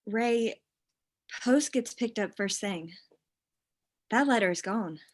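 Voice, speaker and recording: A woman's voice: medium pitch, animated, slow. A woman playing a candid young townswoman from a mining town in a screenplay table read. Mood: dismayed.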